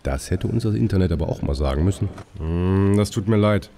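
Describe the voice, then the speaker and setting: Low dark male voice, sarcastic dispatcher, radio play narration, faint noise. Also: animated, brisk, creaky. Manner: dry and sarcastic.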